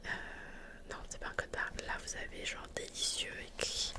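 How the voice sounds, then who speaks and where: A woman whispering through a live ASMR stream, chatting to viewers in relaxed asides into a filtered studio microphone at home. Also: normal speed. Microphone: studio microphone with noise filters.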